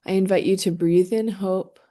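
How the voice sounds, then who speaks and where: A woman leading a guided meditation, speaking gently and soothingly in short phrases with long, unhurried pauses. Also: medium pitch, fairly even intonation.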